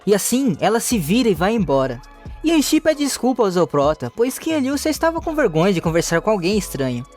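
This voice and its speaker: A man tells a manga story in a high, bright register, his pitch swooping up and down as he narrates. Soft music plays faintly behind him throughout. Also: fairly quick. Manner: lively storytelling with rising and falling pitch. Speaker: recap narrator. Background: faint background music.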